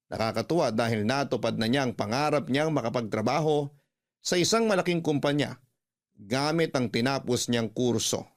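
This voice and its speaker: Man voicing a sad ex-con dad, middle-aged, quiet and sighing, soft music under. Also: medium pitch, moderate pace, close to an everyday voice. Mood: reflective. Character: remorseful ex-convict father, middle-aged, longing. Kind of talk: Tagalog radio drama acting, in-character narration.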